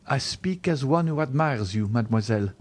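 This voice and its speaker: A proud young lover as a male narrator plays him speaks at a middle pitch with earnest, formal intensity. His devotion is edged with bitterness and desperation, in the manner of a classic-novel reading. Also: animated, a little fast, close to an everyday voice. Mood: wounded, bitter.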